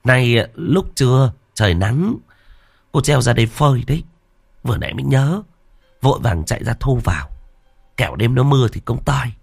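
A man voicing a brisk, chatty older village woman in a ghost story. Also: mid-range voice, lively intonation, creaky, slightly rough, no echo, clean studio sound, voice pushed up.

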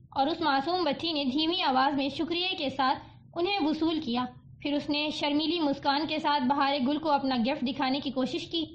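A woman narrating a novel as an audiobook, with an even storytelling delivery. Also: high-pitched. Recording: dull lo-fi audiobook recording.

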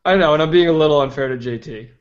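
A man's voice: fairly high pitch, rapid-fire. A man talking as a guest on a casual podcast, opinionated and long-winded, full of "like"s. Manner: opinionated, talks at length with many "like"s. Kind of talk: casual chat. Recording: slightly dull lo-fi audio.

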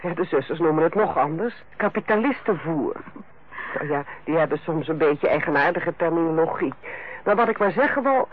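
An actress in a Dutch radio play playing a sour, curt, easily offended aunt with a sarcastic, martyred manner. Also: female voice, deep voice, lively intonation, fairly quick. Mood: critical. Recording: tinny, noisy old radio recording.

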